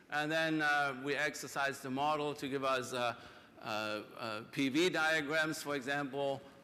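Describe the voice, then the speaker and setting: Fairly high male voice with a bright, sharp tone, fairly even intonation and a moderate pace, in audible room echo. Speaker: invited conference speaker. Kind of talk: technical conference presentation. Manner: halting, many fillers.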